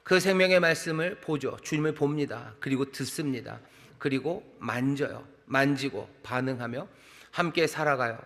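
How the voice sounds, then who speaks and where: A man's voice: mid-range voice, moderate pace, fairly bright tone. A middle-aged man, a senior pastor, preaching a sermon in a conversational style, with rhythmic repeated phrases and rhetorical questions. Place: large church sanctuary. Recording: long reverb of a large hall.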